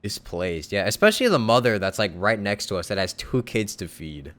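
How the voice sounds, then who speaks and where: A man's voice: lowish voice, expressive, brisk, fairly bright tone. A young man streaming a game, commenting casually in a profane, sarcastic way. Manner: profane, sarcastic, cheering the scene. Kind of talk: casual live gameplay commentary.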